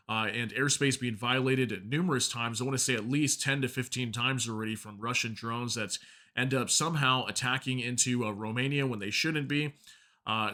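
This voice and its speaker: Bright-voiced man commenting on the news. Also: mid-range voice. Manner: informal, addresses viewers directly. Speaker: news commentator, video host. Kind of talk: reading news reports with informal commentary.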